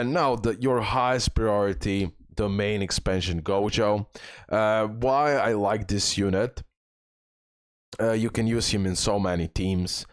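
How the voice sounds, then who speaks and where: A man with a low voice presents a gaming guide in a close, dry recording. He reads ability text aloud and breaks it down informally, speaking straight to his viewers and repeating key points for emphasis. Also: dry recording. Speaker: gaming content creator and host. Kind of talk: game guide commentary, reading skill descriptions and giving tips.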